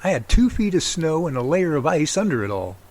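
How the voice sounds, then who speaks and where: A man's voice: on the high side, very animated, fairly quick, darkish tone. A man acting as a chatty, good-humoured grown son in an amateur audio drama, with folksy delivery. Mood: chatty, wry.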